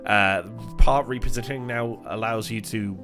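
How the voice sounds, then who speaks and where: A man's voice: fairly low pitch, moderate pace, over music. A man hosting his gaming channel, sounding congested as he recovers from illness, talking casually with lots of fillers and restarts. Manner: rambling, many fillers and restarts. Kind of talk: casual gameplay commentary.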